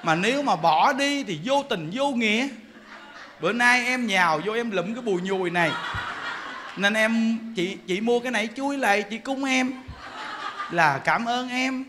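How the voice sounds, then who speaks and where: A man voicing a wronged wife who speaks slowly and mock-politely to her husband's lover. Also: high voice, bright, forceful tone, slight background noise. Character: calm wronged wife, gently sarcastic.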